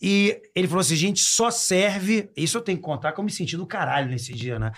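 Lively Brazilian man telling travel stories. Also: a little high, rapid-fire. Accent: Brazilian Portuguese. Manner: animated anecdotes, swearing, acts out voices. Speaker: podcast host and motorsport commentator. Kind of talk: casual storytelling chat.

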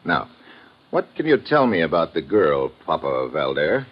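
An actor in a 1950s radio drama playing a tough, wry American government agent, clipped and sardonic. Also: male voice, a bass voice, sing-song, unhurried, exaggerated voice. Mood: wry, probing. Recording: dull, noisy old radio recording.

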